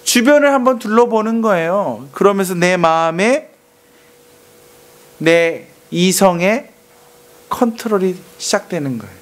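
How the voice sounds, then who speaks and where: A male pastor preaching a sermon to young adults, animated, acting out angry outbursts and asking the congregation to repeat after him. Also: high voice, unhurried, long pauses. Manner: animated, acts out angry outbursts and calls for repetition.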